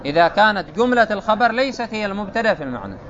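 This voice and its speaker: A man with a notably high voice leads a grammar lesson, laying out each rule in turn and stopping to quiz his students. The recording is dull and lo-fi. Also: sing-song, rapid-fire, a bit bright, a little hiss or hum. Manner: explains step by step, quizzes students with repeated checks. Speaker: grammar teacher. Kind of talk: classical Arabic grammar lesson.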